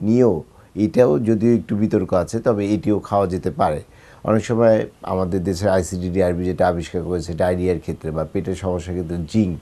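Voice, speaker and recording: Over a quiet background, a man with a very deep, low pitch and a dark, mellow tone talks with fairly even intonation. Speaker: TV presenter, doctor. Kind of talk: TV health talk show presenting. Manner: formal.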